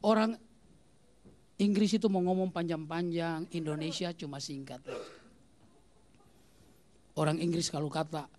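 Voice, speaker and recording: A man performing stand-up comedy, telling stories and acting out the people in them with big jumps in pitch. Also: fairly even intonation, unhurried, pauses often, a little mellow. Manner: acts out quoted voices with big pitch jumps.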